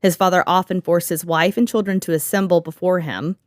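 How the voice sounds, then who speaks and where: A woman hosting a podcast in an easy, sarcastic chat, laughing often and swearing freely. Her voice sits a little low and the sound is dry and close to the mic. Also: steady tone, a little fast, no echo. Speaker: podcast host. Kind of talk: casual chat.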